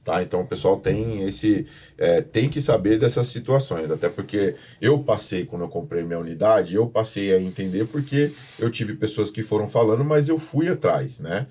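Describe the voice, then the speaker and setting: A professional condominium manager hosts a podcast in a São Paulo Brazilian accent, his lowish, dark, husky voice moving at a moderate pace with hardly any pauses. He talks informally and conversationally, addressing viewers directly and often repeating himself.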